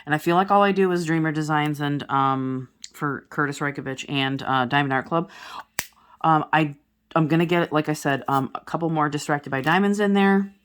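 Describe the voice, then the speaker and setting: A woman in her forties with a low-pitched voice chats casually to her audience as a crafting vlogger. She rambles from one thing to the next, full of fillers and self-corrections. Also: moderate pace, fairly bright tone, a little hiss or hum. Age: 40s. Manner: rambling, many fillers and restarts. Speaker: diamond painting vlogger. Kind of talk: casual chat to viewers while crafting.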